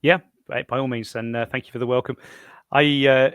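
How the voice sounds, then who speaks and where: A South London man in his sixties gives conversational interview answers in a medium-pitched voice. He explains haltingly, often repeating words, and the sound is dry and close. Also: steady tone, smooth, dry recording, lo-fi sound. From South London, England.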